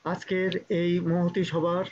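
A man joining by an online call, giving a slow, measured formal speech at a memorial meeting. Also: sits high, completely flat delivery, a little mellow. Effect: heard over an online call line. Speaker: guest speaker at a memorial meeting. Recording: muffled lo-fi call audio with faint noise.

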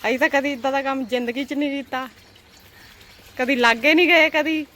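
A woman's voice: high-pitched, fairly even intonation, a little fast, pushed and bright, a little hiss or hum. A woman with a Punjabi accent chatting casually in a teasing, chiding way as she vlogs. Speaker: vlogger. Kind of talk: casual vlog chat.

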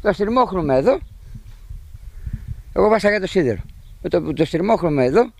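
A middle-aged man outdoors at his sheep pen, retelling to a reporter what happened in an agitated, animated way. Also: sits high, creaky. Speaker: sheep pen owner telling of an intruder. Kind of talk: eyewitness account to a reporter.

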